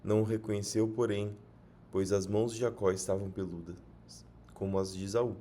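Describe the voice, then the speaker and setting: Brazilian guy reading the bible slow and steady, fixes a word here and there, lowish voice. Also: a little hiss or hum. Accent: Brazilian Portuguese. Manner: measured reading with small self-corrections. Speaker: Bible reader.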